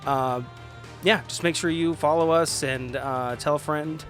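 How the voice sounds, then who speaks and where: A man's voice: a little high, steady tone, unhurried, a bit bright, faint music behind. A man hosting a podcast, giving a casual sign-off in a friendly, upbeat, informal manner. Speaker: podcast host.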